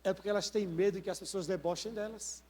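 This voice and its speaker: A man's voice: high-pitched, fairly even intonation, fast talker, a little mellow, big-room sound. A man, a pastor preaching a sermon in a church and prompting the congregation with rhetorical questions. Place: church sanctuary.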